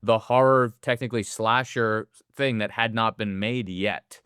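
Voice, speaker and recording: A man's voice: on the low side, steady tone, measured pace, fairly bright tone, clean tone, dry recording, studio quality. A man co-hosting a casual film podcast, rambling and swearing freely as he talks. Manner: rambling, swears freely, stumbles over restarts. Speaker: podcast co-host.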